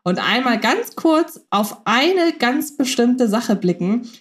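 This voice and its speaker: A woman's voice: fairly high pitch, very animated, takes it slowly. A woman co-hosting a podcast, chatting enthusiastically and thinking aloud with fillers. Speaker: podcast co-host. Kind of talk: casual podcast chat about radio plays.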